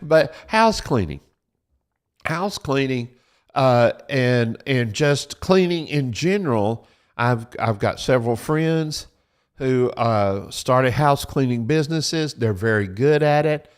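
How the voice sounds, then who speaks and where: A man's voice: mid-range voice, lively intonation, slow pace, clear, resonant tone. A man hosting a Christian show, giving practical advice in a folksy, repetitive, preaching style and urging listeners to write things down.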